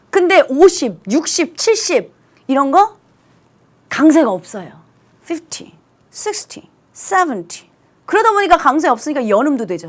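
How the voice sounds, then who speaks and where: A woman teaching an online English lesson to high school students, speaking emphatically and stretching out stressed English words.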